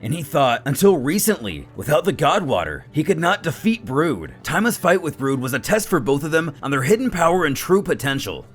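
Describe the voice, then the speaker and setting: A man's voice: fairly high pitch, big pitch swings, fairly quick, few pauses. A man narrating a scripted fantasy story dramatically, as a storyteller. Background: background music.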